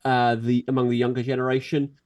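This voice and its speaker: A man from Scotland with a softened Scottish accent, co-hosting a casual chat and rambling through stories with many restarts. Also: medium pitch, level tone, fast talker. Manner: rambling, self-correcting, amused. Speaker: podcast co-host.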